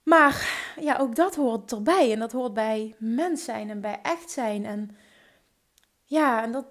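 A young woman hosts a solo podcast in a high, bright register. She speaks with a Limburg accent and an upbeat, high-energy delivery. She often trips over her words and restarts. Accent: Limburg Dutch. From Limburg, Netherlands. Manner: energetic, enthusiastic, talks fast with many restarts. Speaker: podcast host.

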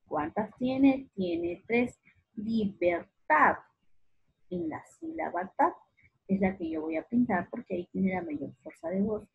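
A woman teacher with a high, very breathy voice gives a slow lesson to small children. She draws out each word syllable by syllable and speaks fondly to the child, and the recording sounds dull and lo-fi. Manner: affectionate toward the child. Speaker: primary school teacher. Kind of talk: remote lesson for young children.

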